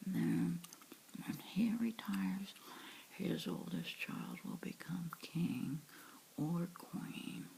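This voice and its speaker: A woman voicing a gloomy, discouraging male palace guard, whispering slowly. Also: lowish voice, vocal fry, darkish tone, heavily acted, rough recording.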